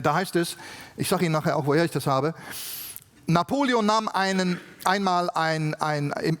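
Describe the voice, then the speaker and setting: A man from Germany preaching a sermon with emphatic rhetorical questions and frequent tag questions, in a large conference hall. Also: sits high. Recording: long reverb of a large hall.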